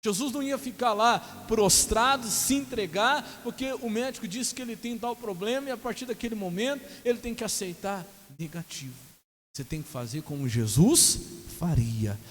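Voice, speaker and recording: A Brazilian pastor with a high, ringing voice preaches a sermon, breaking now and then into loud calls to the congregation. His voice carries a long reverb from the church hall around him. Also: normal speed, a little hiss or hum. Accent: Brazilian Portuguese.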